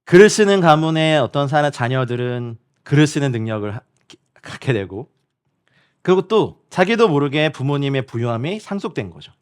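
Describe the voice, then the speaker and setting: A male missionary delivers a sermon at a midweek prayer meeting in a voice of ordinary pitch for a man. He speaks directly to the people in the room and to those watching online, calling for their amens. His preaching is animated, and he often breaks into acted-out voices of other people. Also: moderate pace, smooth. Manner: animated, acts out quoted people and laughs often while preaching.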